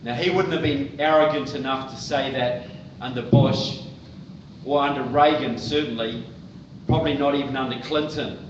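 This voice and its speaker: A man's voice: medium pitch, fairly even intonation, normal speed. A man from New Zealand with a New Zealand accent, giving a plain-spoken political speech to a live audience in a church hall. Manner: plain-spoken, direct, addresses the crowd with "look" and "folks". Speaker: guest speaker. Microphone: far-off tablet recording. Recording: roomy, distant, muffled tablet recording with noise.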